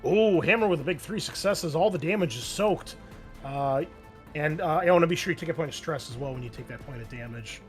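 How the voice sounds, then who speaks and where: A man's voice: a little high, fairly quick. A man acting as game master, talking players through rules and dice results in a casual way. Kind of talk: running a tabletop game, casual rules talk. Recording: background music under the voice. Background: music.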